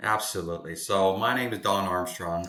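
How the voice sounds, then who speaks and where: At a moderate pace, a man speaks in an unremarkable speaking voice with a fairly low pitch. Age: 60s. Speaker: biomedical technician trainer. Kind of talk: interview.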